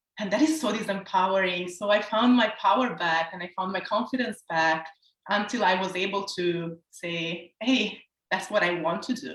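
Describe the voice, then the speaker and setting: A woman with a slight Italian accent, medium pitch, ordinary pitch variation, and a moderate pace. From Italy. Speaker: life coach. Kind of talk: interview.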